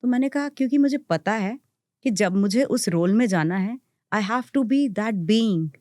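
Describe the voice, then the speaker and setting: A woman's voice: medium pitch, measured pace, dry recording. A woman actress speaks as a podcast guest, swinging freely between Hindi and English as she tells her stories. Her voice sits in an ordinary middle register. The recording is close and dry, with no room sound. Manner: animated, acts out others' quotes. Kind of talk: podcast interview chat.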